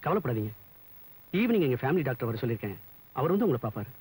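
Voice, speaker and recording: A man's voice: mid-range voice, very animated, rapid-fire, a little mellow, husky. An actor playing a polite, persuasive and confident young man in a 1980s Tamil film. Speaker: office worker.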